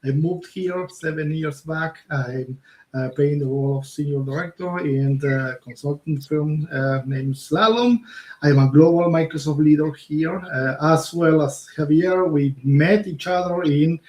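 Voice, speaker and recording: A man's voice: fairly high pitch, a little slow, darkish tone. A man from Uruguay co-presenting a tech webinar, with many fillers and restarts. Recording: echoey room sound.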